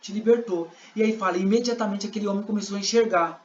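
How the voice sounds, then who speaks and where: A man's voice: sits high, steady tone, fast, a little mellow, slight background noise. A man with a Brazilian Portuguese accent giving a classroom lesson, explaining with examples and acting out scenes. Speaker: sign language interpreting teacher. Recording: roomy, dull lo-fi sound.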